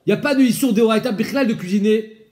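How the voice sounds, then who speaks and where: A man teaching a casual Talmud study lesson, explaining with lively questions and mixing in Hebrew and Aramaic terms. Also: high voice, quick pace.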